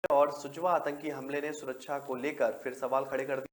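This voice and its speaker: A man's voice: mid-range voice, flat delivery, moderate pace, slight background noise. A man reading a scripted news bulletin as the anchor, with music behind him.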